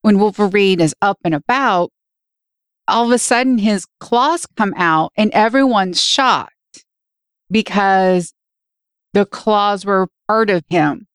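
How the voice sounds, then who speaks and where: A woman's voice: medium pitch, smooth, no room sound, clean studio sound. A woman in her forties co-hosting a podcast in casual chat, rambling and correcting herself as she tells stories. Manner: rambling, self-correcting storyteller. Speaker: podcast co-host.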